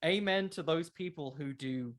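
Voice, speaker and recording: Male podcast guest, conversational and earnest, explains things at length in a relaxed interview setting. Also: fairly high pitch, normal speed. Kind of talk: casual interview chat.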